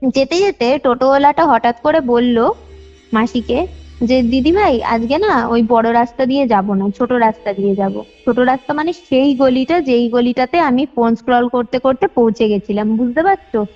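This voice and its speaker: A woman's voice: a little high, animated, moderate pace, a little mellow. A young woman telling a personal story in detail on a phone call, repeating phrases for emphasis. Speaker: caller sharing a personal ghost experience. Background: faint music.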